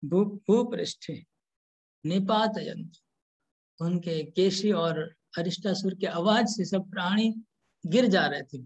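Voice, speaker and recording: Slow high-voiced male lecturer. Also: low-quality recording. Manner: explains slowly in pieces, with restarts and fillers; chants the Sanskrit verses slowly. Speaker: spiritual lecturer. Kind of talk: scripture lecture with chanted verses.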